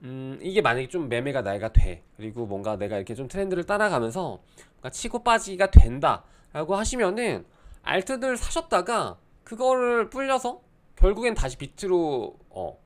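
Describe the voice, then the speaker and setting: 말이 많고 억양이 큰 남자 코인 해설자. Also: male voice, fairly high pitch, sing-song, normal speed. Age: young adult. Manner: hesitant, many fillers, explanatory. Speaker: crypto market commentator. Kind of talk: casual solo market commentary.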